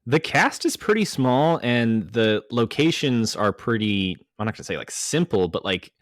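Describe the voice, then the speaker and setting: A man co-hosting a casual movie podcast, chatty and relaxed, laughing easily as he shares film facts. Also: mid-range voice, normal speed, dry recording, studio quality. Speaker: podcast co-host.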